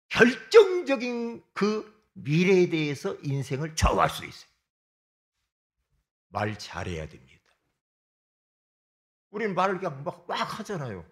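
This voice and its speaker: A man preaching a sermon as pastor, emphatic, often throwing rhetorical questions at the congregation. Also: high-pitched.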